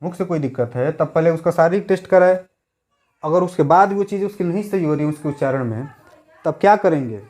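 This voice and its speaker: A young male teacher delivers an exam-prep lesson in a somewhat high voice. He keeps repeating key terms and putting rhetorical questions to his listeners. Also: fairly quick, darkish tone.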